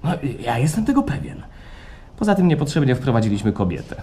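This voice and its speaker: A man's voice: mid-range voice, very animated, quick pace, mellow. An actor playing an eager, fussy technician in a radio play, pressing his case persuasively. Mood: brisk, eager. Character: eager, insistent technician selling staged re-creations of feelings. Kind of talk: radio play acting before a live audience. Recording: live stage recording with background noise.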